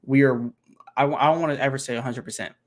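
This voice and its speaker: A man's voice: mid-range voice, fairly even intonation, fast talker. A man hosting a casual livestream Q&A from his home computer, thinking aloud and working out numbers with many fillers. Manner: rambling, thinks aloud while doing math, many fillers. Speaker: crypto channel host. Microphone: home computer setup, single monitor.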